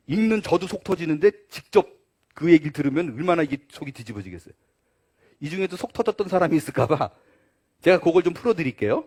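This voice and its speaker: Lively, high-voiced preacher man. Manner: animated storytelling, acting out dialogue. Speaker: pastor. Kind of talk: sermon.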